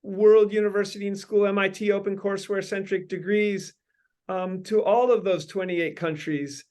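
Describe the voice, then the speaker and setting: High-voiced man, halting and winding. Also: steady tone, a little mellow. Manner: halting, many ums and uhs, long winding sentences. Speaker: host leading a meeting. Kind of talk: brainstorming meeting talk.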